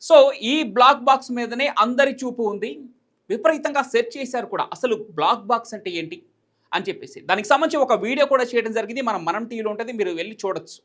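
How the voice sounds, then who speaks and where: A man's voice: extremely high pitch, fast, fairly bright tone. A man presenting news commentary, explaining in an emphatic, repetitive way.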